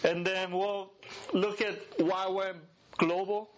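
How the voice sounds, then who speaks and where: High-voiced man giving a chatty talk. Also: little pitch movement, a little slow, slight background noise. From Korea, raised in the USA. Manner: laughs often, chatty, checks in with the crowd. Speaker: speaker at a mission gathering. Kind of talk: informal talk to an audience.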